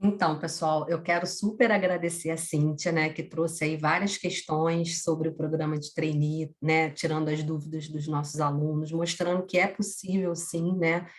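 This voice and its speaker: A woman hosting a live webinar, speaking in a measured, formal way with frequent fillers. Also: low-pitched, flat delivery. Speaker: event host.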